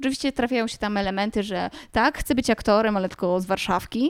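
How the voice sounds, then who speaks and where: The sound is dry and close, with no echo. It carries a plain, everyday voice. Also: woman, very clean recording, silent background. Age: 20s. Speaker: actress and podcaster. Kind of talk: casual chat.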